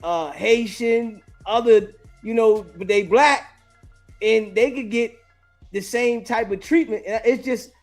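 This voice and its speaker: A male talk show host with a high voice reasons through his view in a casual call-in discussion. He circles back over phrases in an earnest, halting way, over faint background music.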